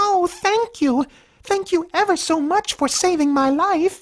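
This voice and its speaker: A put-on character voice, squeaky and extremely high-pitched, at a fairly slow pace. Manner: grateful, effusive.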